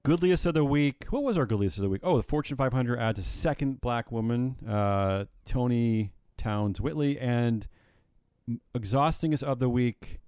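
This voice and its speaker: A man hosts a relaxed business podcast and delivers his picks with a wry, sarcastic edge. His voice sits in a middle range for a man. The sound is close and dry, with no room echo. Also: medium pitch, moderate pace, clean tone. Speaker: podcast host. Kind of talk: casual chat.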